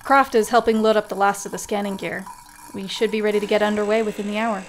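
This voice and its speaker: A woman's voice: medium pitch, steady tone, fast talker, slight background noise, close to an everyday voice. A woman acting a serious, cautious naval starship skipper in a sci-fi audio drama, formal and commanding in manner. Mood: wary, questioning.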